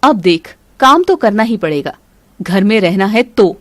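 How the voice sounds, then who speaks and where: A woman voicing a scheming, bossy middle-aged mother-in-law in an animated story, talking in a sharp, scolding, sly way. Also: medium pitch, a little slow, no echo, voice pushed down. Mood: defiant.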